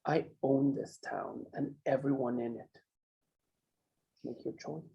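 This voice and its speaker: A man acting a menacing mine boss in a drama table read, speaking in measured, condescending threats. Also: mid-range voice, steady tone, creaky, highs cut off. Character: menacing, controlling male mine boss, coolly cruel.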